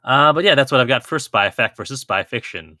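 A man co-hosting a casual film podcast who shares trivia and quotes with easy laughter. His voice sounds bright and is recorded dry and close. His pitch sits in the middle for a man. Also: animated, brisk, dry recording. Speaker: podcast co-host. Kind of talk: casual chat.

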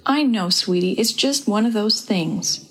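A woman voicing a gentle mother who speaks softly to comfort her family. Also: mid-range voice, animated, unhurried, breathy edge.

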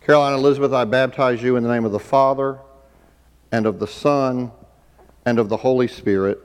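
A man speaking as a pastor, leading church liturgy and prayer in a measured, ceremonial way. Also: medium pitch, fairly even intonation. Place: large church sanctuary. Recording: echoey church hall, long reverb.

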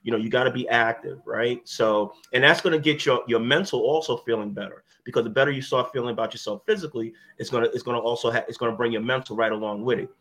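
Man, fifties, bright voice, straight-talking, casual podcast chat. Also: medium pitch, quick pace, few pauses. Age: 50s. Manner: straight-talking, repeats "you know what I mean". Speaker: wellness business owner, guest.

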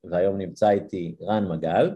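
Husky, low-voiced Israeli man hosting a podcast. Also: fairly even intonation, lo-fi sound. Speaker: podcast host. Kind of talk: casual podcast interview.

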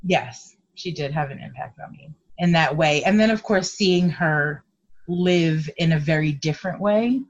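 Low-voiced woman on a dull remote line. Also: unhurried. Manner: hesitant, thoughtful, many ums. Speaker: guest, activist. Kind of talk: conversational interview.

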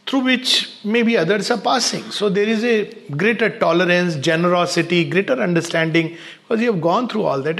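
Man, gravelly and a touch high-pitched, steady reflective spiritual speaker, measured pauses. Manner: unhurried, pausing often in short phrases.

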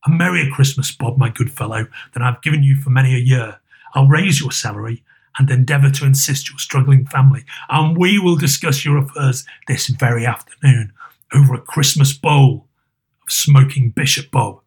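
A man's voice: medium pitch, normal speed, breathy edge, voice pushed down. A man voicing an elderly miser turned kind, with emphatic, clipped delivery in a dramatised storybook reading. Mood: hearty, generous.

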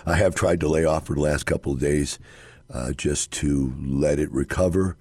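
Middle-aged radio guy with a wrecked scratchy voice, super low and kinda dark, rambles a lot, dry studio sound. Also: steady tone, moderate pace, slightly rough, no room sound. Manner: rambling, with frequent fillers and restarts. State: hoarse, scratchy voice. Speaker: radio show host. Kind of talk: casual radio talk on investing.

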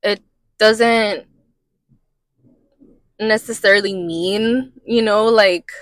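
A woman in her late twenties co-hosting a podcast, chatting in a relaxed way with Spanish phrases mixed in. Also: mid-range voice, extremely slow, no echo. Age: 20s. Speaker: podcast co-host. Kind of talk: casual chat.

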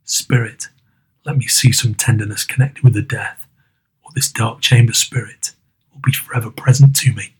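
Hushed old miser, lower and husky, trembling pleas, read by a male narrator. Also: fairly even intonation, moderate pace. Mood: horrified. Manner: hushed, trembling, half-whispered. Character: frightened old miser, pleading.

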